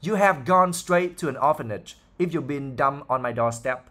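A man's voice: on the high side, normal speed, bright, forceful tone. A man reading out a scornful, bossy middle-aged aunt, scolding in a barking manner.

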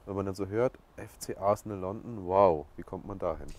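A man's voice: low voice, brisk, a little mellow. A man in his thirties asking questions as interviewer in a casual sit-down talk. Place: open-air terrace by a training pitch. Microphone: lapel mic.

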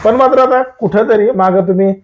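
A man's voice: sits high, brisk. A man asking conversational questions as an interviewer. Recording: muffled sound with music behind. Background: background music.

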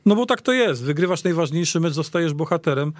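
Man, fairly high pitch, casual football punditry, halting and emphatic, no room echo. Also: animated. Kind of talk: casual sports discussion.

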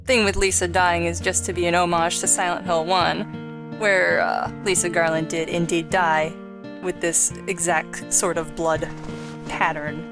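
Low-voiced woman doing casual game commentary. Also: little pitch movement, a little slow, music in the background. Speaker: gamer, let's play host.

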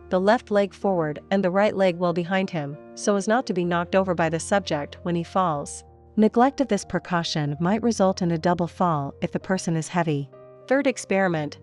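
Measured woman reading a nonfiction audiobook. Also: fairly low pitch. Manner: steady, measured, slows to stress quoted commands. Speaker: audiobook reader. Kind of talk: scripted nonfiction narration.

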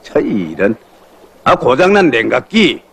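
An actor playing a fatherly North Korean party secretary in his sixties, a calm old veteran with a husky voice. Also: medium pitch, measured pace, full character voice. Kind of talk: film drama acting.

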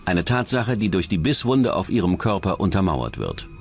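A man narrates a true-crime documentary from a script. His voice is low and moves expressively up and down, with music clearly playing behind it. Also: very animated, normal speed. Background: background music.

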